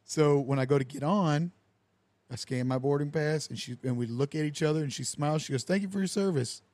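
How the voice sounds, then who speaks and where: A man's voice: on the high side, brisk, no room sound. A young man, a podcast host telling a story in casual chat and acting out the people in it. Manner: animated storyteller who acts out quoted dialogue with lively voices.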